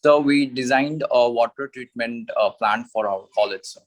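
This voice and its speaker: Young south asian guy, nepali native, hesitant and deferential interview candidate, medium pitch. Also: normal speed. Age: young adult. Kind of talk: answering interview questions.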